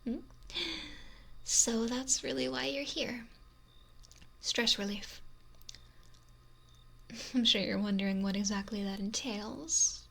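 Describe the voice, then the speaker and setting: A woman playing a possessive, wealthy mafia boss in an intimate ASMR roleplay, breathy and often whispery, with a slow, softly threatening manner. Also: a little high, steady tone, full character voice. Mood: domineering, cool. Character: possessive, domineering wealthy female mafia boss, lonely, menacing. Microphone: close binaural ASMR microphone.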